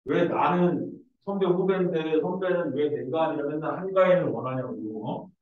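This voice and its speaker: A male math teacher lectures in a slightly raised voice, breaking into animated, joking stories. He sounds set back from a dull-toned mic. The room around him is echoey. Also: fairly high pitch, moderate pace, far from the mic. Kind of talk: lecture mixed with casual anecdotes.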